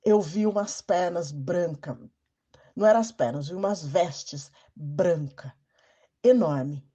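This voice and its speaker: A Brazilian woman telling an emotional personal testimony in an earnest, halting way with frequent restarts. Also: mid-range voice, mellow, lo-fi sound. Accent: Brazilian Portuguese. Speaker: testimony speaker.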